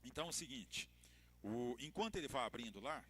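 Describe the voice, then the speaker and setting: A man with a Brazilian Portuguese accent, a pastor giving a church lecture to couples, telling stories with expressive emphasis and light humor. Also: medium pitch, fairly quick, husky.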